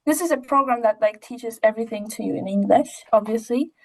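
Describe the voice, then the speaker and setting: This interview guest is a young biochemistry student from Poland, a native Polish speaker with a high voice. She answers briskly and casually, chatty and full of asides, though the audio is poor.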